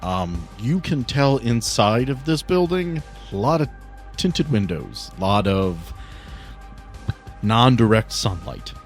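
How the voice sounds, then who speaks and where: A man's voice: mid-range voice, big pitch swings, slow pace. A man runs a tabletop game as its game master, describing scenes off the cuff. His delivery is informal and conversational, with background music beneath him. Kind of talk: improvised tabletop game narration.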